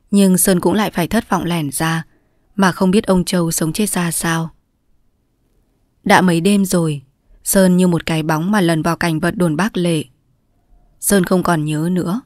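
A woman reading a short story aloud in a measured, even storytelling voice. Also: on the low side, no echo, clean studio sound. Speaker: story narrator. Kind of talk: audiobook narration.

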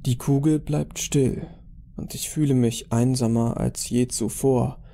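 Very dark, gravelly male narrator. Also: medium pitch, steady tone, a little slow. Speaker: horror story narrator. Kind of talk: dramatic scripted story narration.

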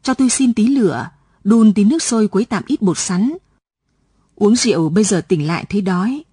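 A woman's voice: mid-range voice, lively intonation, fairly quick, dark tone, breathy edge, no echo, clean studio sound. A woman reading the part of a tipsy, pushy middle-aged village neighbour who asks a favour. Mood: pleading.

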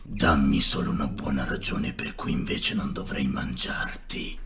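A man playing a big, haughty, menacing lion king in a cartoon fairy tale, slow and threatening, with a growling voice. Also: a bass voice, little pitch movement, in a whisper, heavily acted. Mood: scornful, threatening. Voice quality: gravelly, growling.

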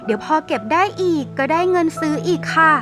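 A woman voicing a kind, humble, poor mother, gentle and polite, in a cartoon story. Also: very high voice, expressive, quick pace, music in the background.

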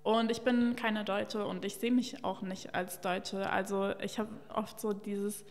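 A woman's voice: mid-range voice, little pitch movement, measured pace. A young woman from Luxembourg, a journalist and podcast guest, talking candidly and with opinions into a stand mic, with many fillers. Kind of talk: casual interview talk. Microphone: studio mic on a stand. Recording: long reverb of a bare room.

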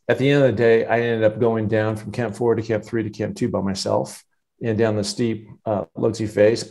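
A man in his fifties, a guest on a video-call interview, telling a long story in an animated, rambling way with many restarts. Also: lowish voice, gravelly. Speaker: interview guest, former football player. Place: home office with wood cabinet. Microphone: earbud headset on video call.

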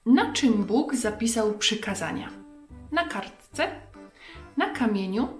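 A woman's voice: on the high side, expressive, slow, faint music behind. A woman hosting a scripted lesson for children, addressing young listeners directly. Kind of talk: scripted quiz and sign-off for children. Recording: roomy echo.

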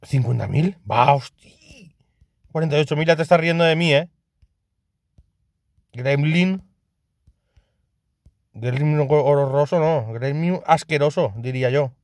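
Excitable Spanish gamer guy, slightly high voice. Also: a little slow, pauses often, dry recording, studio quality. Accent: Spain Spanish. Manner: excitable, swears a lot, laughs often. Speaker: gaming youtuber. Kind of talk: casual gameplay commentary.

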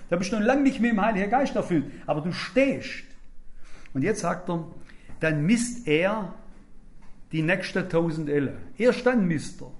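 High-voiced man preaching emphatically. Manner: lively, emphatic storytelling with acted-out quotes. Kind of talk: sermon.

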